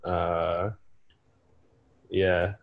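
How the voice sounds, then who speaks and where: Hesitant young man with a lowish voice. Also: little pitch movement, drawn-out words, vocal fry, muffled recording. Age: 20s. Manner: hesitant, with many ums and soft trailing-off phrases. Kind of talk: casual chat.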